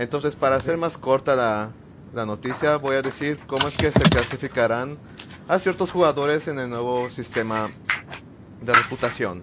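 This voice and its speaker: The speaker talks at a moderate pace with ordinary pitch variation, and noticeable background noise runs behind the voice. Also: man, medium pitch for a man. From Tuxtla Gutiérrez, Chiapas, Mexico. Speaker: gaming podcast panelist. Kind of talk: news segment.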